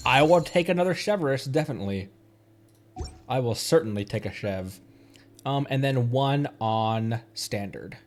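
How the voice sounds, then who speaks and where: A livestreamer with a mid-range, slightly mellow voice talks at normal speed with lively intonation, and there's slight background noise. He meanders through casual gameplay commentary, thinking aloud and regularly questioning his own choices while video game music plays.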